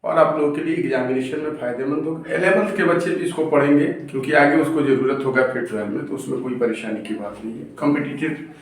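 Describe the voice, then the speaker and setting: A man teaching chemistry as a classroom lecture, repeating key terms slowly and stretching them for emphasis. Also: medium pitch. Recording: very echoey room, voice from a distance.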